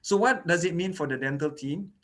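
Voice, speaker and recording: A man's voice: a little high, fairly quick. A man whose first language is Malay, giving an online lecture on child dental care, explaining step by step with frequent "okay" and "you know". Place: indoors, online lecture recording.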